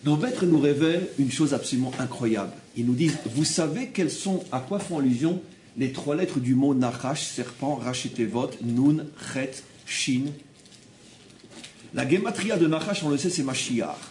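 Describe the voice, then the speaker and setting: A man from France, giving a Torah class, animated and repeating phrases as he makes his points. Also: medium pitch, normal speed, a little hiss or hum. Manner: animated, repeats phrases, acts out quoted people. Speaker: religious teacher. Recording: roomy room with faint background ambience.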